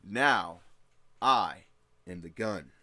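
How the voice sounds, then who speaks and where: A menacing cyborg gunman, voiced by a man in a storybook reading. His voice is very low, with no strain and no feeling, each word pressed out slowly. The sound is dry and close. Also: dry recording. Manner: flat, strainless, slow deliberate delivery. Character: cold cyborg male mercenary, flat and menacing.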